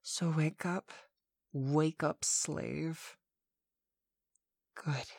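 A deep-voiced, slightly mellow woman performs a scripted hypnotic monologue as a domineering mistress, at once sweet and stern. Her intonation stays fairly even as she delivers commanding, deliberate lines and a few breathy whispers in a dry, studio-quality recording.

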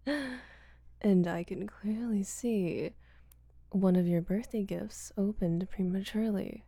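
A woman's voice: mid-range voice, vocal fry, dark tone, husky, no room sound. A woman whispering an intimate audio roleplay close to the microphone, teasing and possessive with frequent giggles.

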